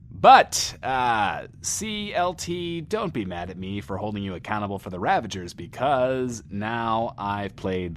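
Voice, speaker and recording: An actor playing a sardonic, theatrical radio host with mad-inventor flair, rambling wryly in an audio drama. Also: male voice, fairly low pitch, a bit bright, slight background noise, exaggerated voice.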